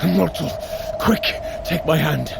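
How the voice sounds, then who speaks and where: An actor playing a hearty, protective warrior god in a dramatic audio adventure, with grandiose, archaic, rallying speech. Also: male voice, a little high, takes it slowly, vocal fry, very noisy, heavily acted. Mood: anguished.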